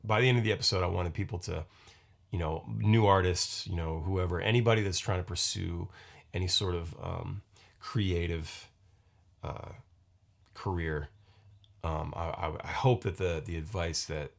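A man in his forties hosting his own podcast, talking casually in a rambling, halting way, full of restarts and fillers. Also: low voice, steady tone, creaky. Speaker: podcast host and musician. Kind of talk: casual solo podcast monologue. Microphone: podcast microphone.

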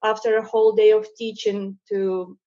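Her pitch is mid-range and barely moves, her pace is normal, and her tone is dark, all captured on a muffled recording. She's a woman in her thirties, a painter from Russia with Russian as her mother tongue, speaking hesitantly with lots of fillers as a guest in a casual interview.

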